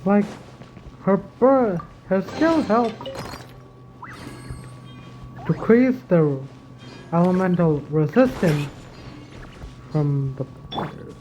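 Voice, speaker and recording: Woman, casual gaming commentary, unhurried delivery, light music behind. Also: on the low side, dark tone, poor audio. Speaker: gaming streamer. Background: video game music.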